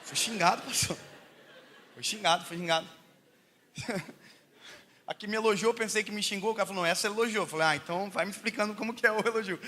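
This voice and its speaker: A young Brazilian man preaching with humor, telling stories in an animated, joking way that rises to shouts. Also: high-pitched, fast talker, long pauses, background noise. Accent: Brazilian Portuguese. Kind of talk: humorous sermon storytelling.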